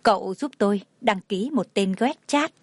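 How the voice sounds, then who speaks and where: A woman's voice: mid-range voice, normal speed, no room sound, lightly acted. A woman voicing a cold, reserved young male company boss who speaks tersely. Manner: terse, curt.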